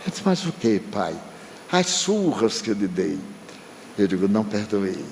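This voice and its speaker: A man's voice: on the low side, big pitch swings, a little slow, creaky, darkish tone. An older Brazilian man giving a spiritist talk, telling a personal story with emotion and acting out his father's words to the audience. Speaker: spiritist speaker. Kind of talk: storytelling lecture. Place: large lecture hall. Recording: long reverb from a hall, faint noise.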